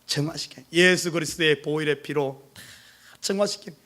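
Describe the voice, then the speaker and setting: A male pastor preaching to his congregation, emphatic, with many rhetorical questions, swinging from urgent pleas to hushed asides. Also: fairly high pitch, normal speed. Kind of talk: sermon. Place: church service.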